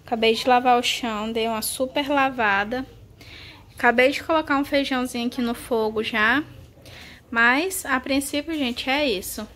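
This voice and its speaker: Tired, chatty young woman, slightly high voice. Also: normal speed, a bit bright. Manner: chatty, homely, tired after cleaning. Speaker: home cleaning vlogger. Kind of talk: casual chat to camera. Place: small home kitchen, indoors. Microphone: handheld phone close up.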